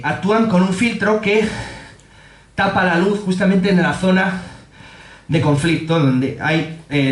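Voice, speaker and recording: High-voiced Spanish man telling jokey stories. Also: echoey room. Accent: Spanish from Spain. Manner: jokey, laughs often, acts out quotes in a high voice. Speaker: speaker giving a public talk. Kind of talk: humorous storytelling talk. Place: pub with an audience.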